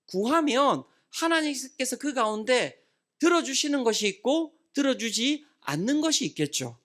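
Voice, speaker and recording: Middle-aged male pastor, animated delivery, quizzes the congregation and answers himself. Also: very high-pitched. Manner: asks the congregation questions and answers them; acts out scolding parents and children. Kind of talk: midweek prayer meeting sermon.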